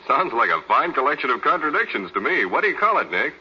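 A man's voice: mid-range voice, big pitch swings, fast, breathy edge, muffled recording. A man announcing a 1940s radio show in a scripted style. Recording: old band-limited radio recording, music behind. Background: music.

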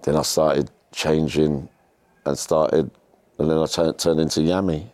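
A middle-aged man with a very low, deep voice. He talks casually and slangily, rambling through personal stories. The sound is close and dry. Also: fairly even intonation, unhurried, a little mellow, no echo. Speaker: podcast guest. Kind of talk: casual chat, personal storytelling.

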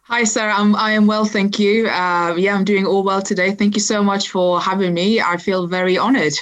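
A woman's voice: medium pitch, fairly even intonation, normal speed. A young woman from Libya who grew up in Sweden, talking casually as a podcast guest, with many fillers and restarts. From Libya, raised in Sweden. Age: young adult. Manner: chatty, many fillers and restarts, laughs lightly. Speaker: podcast guest, writer and activist. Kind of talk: casual interview chat.

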